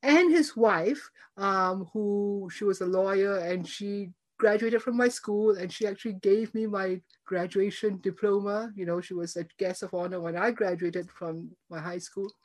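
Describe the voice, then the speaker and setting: A woman's voice: medium pitch, moderate pace, few pauses, a little mellow, rough recording. Chatty older woman recalling her past. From Singapore. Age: 70s. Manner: chatty and reflective, many fillers, frequent light laughter. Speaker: interview guest. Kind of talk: conversational interview answers.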